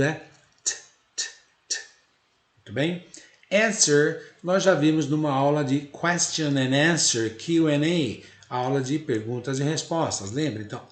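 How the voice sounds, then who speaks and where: A man with a Brazilian Portuguese accent who teaches English step by step. He drills the words slowly and often checks in with the class. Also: on the high side, echoey room. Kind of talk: classroom lesson.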